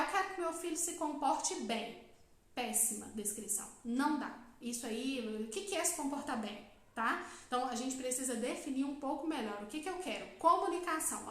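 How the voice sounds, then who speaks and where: A Brazilian woman gives a live-stream talk as a psychologist. Her voice sits high and carries through a strongly echoing room. She explains patiently and keeps checking in with her listeners. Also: a bit bright. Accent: Brazilian Portuguese. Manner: explanatory, frequent "tá?" check-ins, asks questions and answers them herself.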